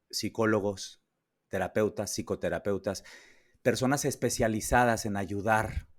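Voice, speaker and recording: Man, Mexican accent, podcast host, casual, hesitant, fillers, low voice. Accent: Mexican Spanish. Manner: hesitant, many fillers and restarts. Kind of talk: casual interview. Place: New York.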